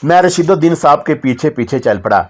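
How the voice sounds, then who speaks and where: A man narrating a first-person novel in a measured storytelling voice. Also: a little high, animated, husky.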